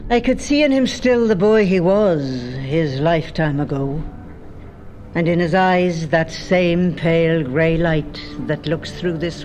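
Slow, wistful, higher-voiced man narrator. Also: a little mellow. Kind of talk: audio drama monologue.

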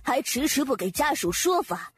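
A woman's voice: high-pitched, very animated, moderate pace, no echo. A woman playing an imperious, cold and indignant wife of a powerful man in an audiobook drama, haughty, accusing and sarcastic. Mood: cold accusation.

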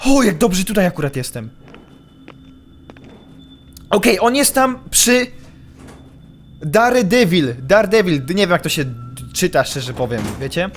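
A young man commenting on a horror game he is playing, excitable, yelping when startled and muttering while he sneaks. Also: high voice, moderate pace, long pauses, soft background music. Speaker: gaming YouTuber.

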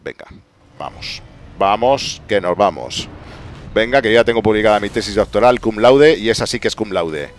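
A man's voice: fairly low pitch, animated, moderate pace, slight background noise. A man with a Spain Spanish accent, streaming a game live with rambling, self-mocking banter, sounding tired. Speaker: gaming streamer. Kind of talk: casual live gameplay commentary.

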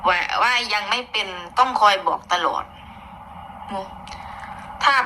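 Bright-voiced woman with an Isan accent. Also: medium pitch, a little hiss or hum, poor audio. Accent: Isan (Northeastern Thai). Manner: chatty, opinionated, mixing in Isan dialect, bursts of exclaiming. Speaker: online commentator. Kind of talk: gossip commentary.

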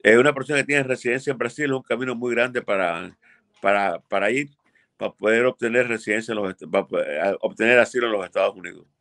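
A man's voice: lowish voice, quick pace, a bit bright, no room sound. Older guy lawyer on a webcam call, blunt, hammers his point home, dry sound. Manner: emphatic, blunt, repeats for stress. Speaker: immigration lawyer. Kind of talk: expert answering viewer questions. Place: home office with framed pictures.

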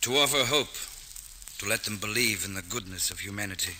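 A man's voice: on the low side, brisk, lightly acted. An actor playing a loyal, forthright nobleman, earnest and declamatory, with archaic speech in old radio drama style. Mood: urgent, forceful. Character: loyal, forthright grown nobleman advising his young king. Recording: hissy old radio recording.

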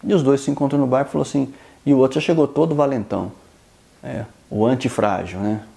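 A man's voice: medium pitch, fast talker, creaky, warm tone. A Brazilian Portuguese-speaking man hosting his own channel, giving an earnest self-help talk aimed straight at the listener. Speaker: channel host.

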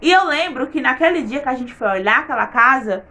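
High bright woman. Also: expressive, a little fast. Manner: earnest, repeats words for emphasis. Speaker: vlogger giving a testimony. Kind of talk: emotional faith testimony.

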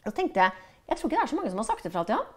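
A middle-aged woman hosting a casual interview, asking follow-up questions and telling lively stories. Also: a little high. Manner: lively storyteller who asks follow-up questions. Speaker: podcast host.

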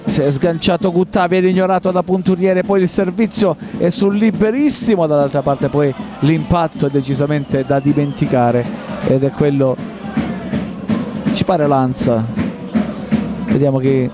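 Higher-pitched male football commentator. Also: fairly even intonation, normal speed, over loud music. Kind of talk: live play-by-play commentary.

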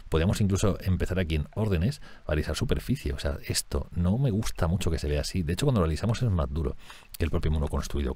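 A man's voice: rumbling low, mellow, breathy edge. A man with a Spain Spanish accent giving chatty let's-play commentary, thinking aloud and talking to his game characters. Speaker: gaming channel host.

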